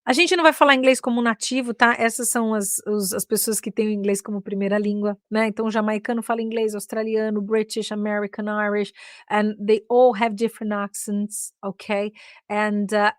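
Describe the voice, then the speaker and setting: Brazilian woman with an accent as a chatty bilingual English teacher, mid-pitched voice, dry close sound. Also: level tone, normal speed, dry recording. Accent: Brazilian Portuguese. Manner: mixes Portuguese and English, frequent "né?" and "ok?" tags. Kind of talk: casual online English lesson.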